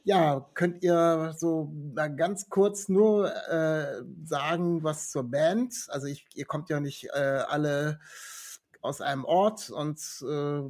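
A man hosting a relaxed podcast interview, asking long questions full of hesitations and fillers. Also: on the high side. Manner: hesitant, many fillers and restarts. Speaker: podcast host. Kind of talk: casual interview.

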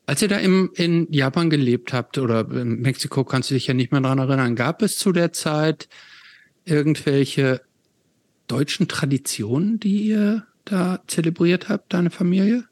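A man's voice: fairly high pitch, moderate pace, a little mellow, no room sound. Man, podcast co-host, casual questions, dry close sound. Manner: conversational, asks follow-up questions. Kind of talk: casual conversation.

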